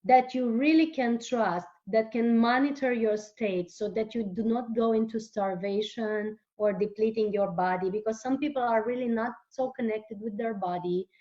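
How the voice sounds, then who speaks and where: A woman whose first language is Romanian, a guest author speaking earnestly in an interview, often pausing and repeating words. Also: on the high side, mellow, dull audio. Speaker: guest author and holistic therapist. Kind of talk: casual interview talk.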